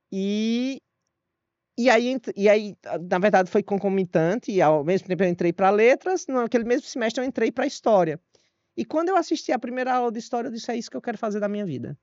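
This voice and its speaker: Guy w/ northeastern brazilian accent telling his story, lively, bit muffled and dry sounding. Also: sits high, dry recording. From Northeast Brazil (Paraíba, Ceará). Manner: animated, self-deprecating, frequent restarts and laughs. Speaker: guest historian. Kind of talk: relaxed storytelling in an interview. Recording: dull lo-fi dry audio.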